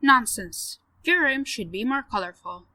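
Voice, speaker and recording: A woman's voice: on the high side, expressive, measured pace, bright, forceful tone, heavily acted. A woman playing a breezy, insistent, upbeat friend in an audio drama, emphatic and informal.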